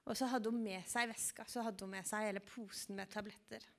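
A woman preaching, telling a Bible story in a calm, vivid storytelling manner. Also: medium pitch, gravelly. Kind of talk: storytelling sermon.

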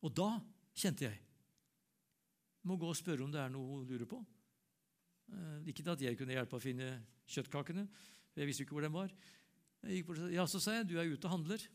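An older male preacher tells a story from the pulpit. His voice sits a little high. He acts out both sides of the conversation and sinks into a hushed, low register when he quotes a prayer. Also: long pauses. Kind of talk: sermon with personal story.

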